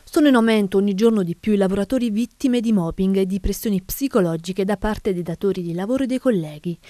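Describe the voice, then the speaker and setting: A woman with a medium pitch and a dark, mellow tone talks very fast with hardly any pauses and ordinary pitch variation, in a dry, close sound with no echo against a quiet background. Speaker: reporter. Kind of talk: news reading.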